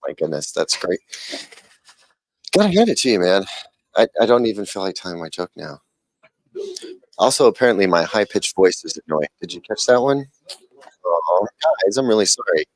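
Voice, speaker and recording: A man's voice: sits low, very animated, normal speed, long pauses, no room sound, rough recording. A man chatting casually on a livestream as a panelist, joking and self-deprecating in a wry way. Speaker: TV shootout panelist. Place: TV viewing room.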